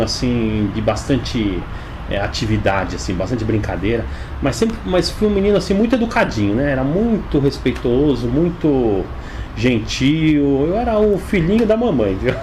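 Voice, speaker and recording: A man in his forties with a São Paulo Brazilian accent, answering conversationally as a sales coach being interviewed. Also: mid-range voice. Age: 40s. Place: inside his home. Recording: clear background noise, ambience.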